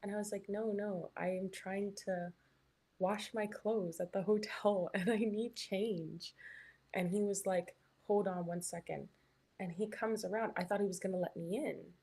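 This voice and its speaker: Chatty young woman with a husky voice. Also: medium pitch, steady tone, a little slow, a little mellow. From Canada. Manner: chatty, lots of "like" and "um". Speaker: live stream host. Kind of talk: casual chat reading live chat. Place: hotel room.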